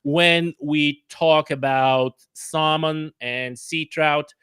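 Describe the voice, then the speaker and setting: A man from Poland with a Polish accent, explaining things haltingly as a guest in a casual interview. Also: fairly high pitch, steady tone, a bit bright, clear, resonant tone, dry recording, studio quality. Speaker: podcast guest.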